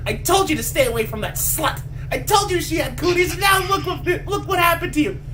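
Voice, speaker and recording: A man voicing a furious mother who shouts and berates her son in a high, strained voice. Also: brisk, distant mic, a little hiss or hum. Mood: furious scolding. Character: shrill furious scolding mother.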